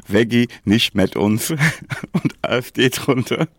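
A man's voice: mid-range voice, lively intonation, takes it slowly, fairly bright tone, no echo, clean studio sound. A man chatting colloquially as a podcast co-host, often tacking on little check-in questions. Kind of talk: casual podcast chat.

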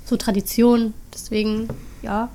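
A woman guest talks on a casual podcast while getting over a cold. Her voice is very high, easygoing and a little wry. A faint hiss sits in the background. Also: flat delivery, a little slow, mellow. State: has a cold. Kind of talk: casual group chat.

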